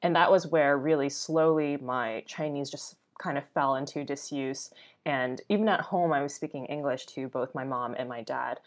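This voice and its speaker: A woman's voice: rumbling low, moderate pace. An American woman from Boston telling personal stories casually as an interview guest, peppering her talk with "like" and voicing quoted remarks. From Boston, United States. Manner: conversational, often uses "like", acts out quoted remarks. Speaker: podcast guest, travel blogger.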